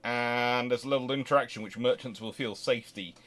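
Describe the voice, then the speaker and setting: Hosting a live history question-and-answer session for his naval history channel, a man talks unscripted in a mid-range, somewhat bright voice. His delivery is halting: he restarts sentences, thinks out loud, and stresses words emphatically.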